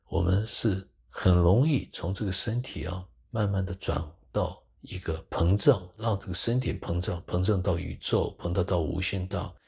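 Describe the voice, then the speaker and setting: In a very clean recording with a silent background, a man with a very deep, low pitch speaks somewhat breathily at a fairly slow pace and with fairly even intonation. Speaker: spiritual teacher. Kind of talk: spiritual talk.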